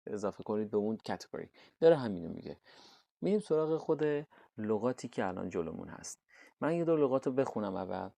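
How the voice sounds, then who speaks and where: Persian-accented male IELTS tutor, low mellow voice, dry close sound, patient explainer. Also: creaky, no echo. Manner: explains patiently, reads English terms slowly and carefully. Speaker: English teacher. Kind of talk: online IELTS lesson.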